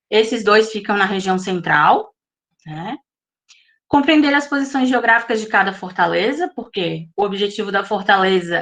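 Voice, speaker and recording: A woman speaks in an ordinary speaking voice at medium pitch. Her pace is moderate and her pitch variation ordinary. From Florianópolis, Santa Catarina, southern Brazil. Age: 30s. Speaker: schoolteacher. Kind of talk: online live presentation. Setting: live stream.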